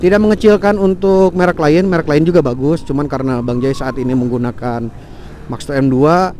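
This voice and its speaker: A man delivers a brisk, chatty gear review while riding his motorbike through outdoor traffic, speaking of himself in the third person. His mellow voice is on the high side, and the helmet intercom mic records faint road and traffic noise behind him.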